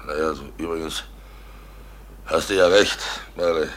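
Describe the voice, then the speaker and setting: An actor playing a troubled, grumbling widowed innkeeper in a German radio drama, speaking in a halting, weary way. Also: male voice, very deep voice, fairly even intonation. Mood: resolving, weary.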